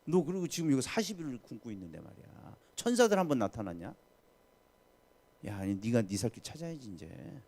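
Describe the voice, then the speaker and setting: A sly, scheming devil who coaxes and needles in a low, familiar tone, as a preacher acts him out. The voice swings freely up and down as it goads. It's hushed and close, like a tempter whispering in your ear. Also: male voice, very animated, brisk, creaky. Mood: taunting. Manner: coaxing, needling, speaks in familiar talk-down. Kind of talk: sermon retelling.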